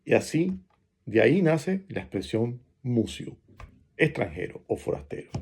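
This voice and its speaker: A man from Venezuela with a Venezuelan Spanish accent, giving a reflective spoken essay and pausing often between phrases. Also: mid-range voice, big pitch swings, creaky, a little mellow, husky.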